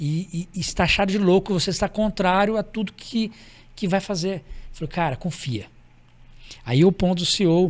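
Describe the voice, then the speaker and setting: Long, frequent pauses from a high-pitched man at a moderate pace, with ordinary pitch variation. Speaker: business executive. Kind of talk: interview. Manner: animated.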